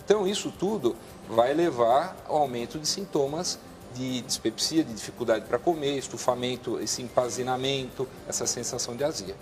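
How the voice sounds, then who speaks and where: Calm explaining doctor, a man. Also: medium pitch, moderate pace, few pauses. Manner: calm, explanatory, with frequent restarts. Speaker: guest doctor. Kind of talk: explaining health advice on a TV show.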